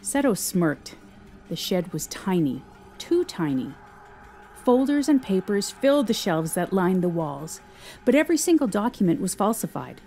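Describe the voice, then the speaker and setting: A woman's voice: medium pitch, sing-song, moderate pace, dark tone, soft background music. A woman narrating a scripted story as the narrator of an audio drama.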